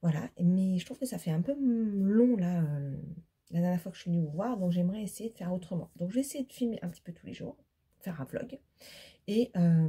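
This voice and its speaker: A middle-aged Frenchwoman chats casually to the camera in her knitting vlog, rambling with plenty of fillers. Her medium-pitched voice is mellow and slightly rough, and she sounds tired and still congested after laryngitis.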